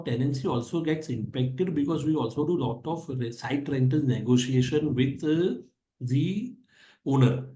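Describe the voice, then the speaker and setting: On an echoey conference call, a man with an Indian accent speaks in a mellow, medium-pitched voice. He's a company executive fielding analyst questions during an earnings call, explaining things carefully and going back over his points.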